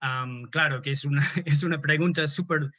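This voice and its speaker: Un hombre de Australia que habla español como segunda lengua, con pausas y muchos titubeos, conversando en una entrevista. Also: male voice, on the high side, pushed and bright. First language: English. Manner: hesitant, many restarts and fillers. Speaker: guest poet and translator. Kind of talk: conversational interview.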